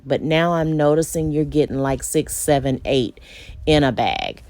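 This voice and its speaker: A woman's voice: low-pitched, warm tone. A woman vlogger speaking in a casual, folksy instructional way, addressing her viewers directly as she explains things step by step. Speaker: homesteading vlogger demonstrating home canning.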